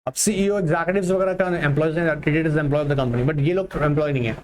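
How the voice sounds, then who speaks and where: High-pitched male tutor mixing Hindi and English. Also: a little hiss or hum. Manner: asks and answers his own questions, slows to read English text aloud; mixes Hindi with English terms. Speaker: online tutor. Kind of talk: exam-prep lecture.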